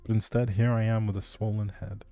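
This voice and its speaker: Mellow, low-voiced man chatting on a livestream. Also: little pitch movement, a little fast. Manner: rambling, hesitant, trailing off. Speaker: livestream gamer host. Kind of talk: casual chatty livestream commentary, replying to chat. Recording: music playing behind the voice. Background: background music.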